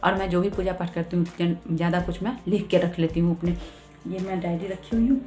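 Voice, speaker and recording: Give me a woman vlogger with a slightly low voice chatting through her home puja routine step by step. The room rings with echo, and soft music plays faintly underneath. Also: steady tone, a little fast. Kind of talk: casual devotional vlog talk.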